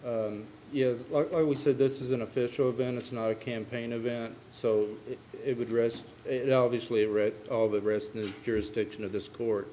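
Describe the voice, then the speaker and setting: A man's voice: mid-range voice, fairly even intonation, fairly quick, few pauses, warm tone, slight background noise, poor audio. A man speaking courteously at a public meeting, formal and repeating himself as he goes.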